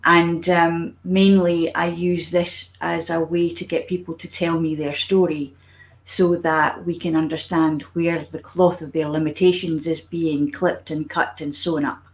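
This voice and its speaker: A woman with a Scottish accent, a guest storyteller talking about her work in a relaxed, lively video chat. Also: deep voice, unhurried. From Scotland.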